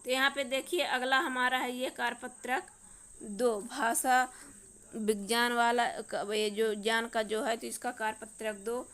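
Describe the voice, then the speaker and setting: Slow, high-voiced woman teacher. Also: level tone, fairly bright tone. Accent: Madhya Pradesh Hindi. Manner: slow, deliberate, sounds out each letter one by one. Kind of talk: worksheet lesson walkthrough.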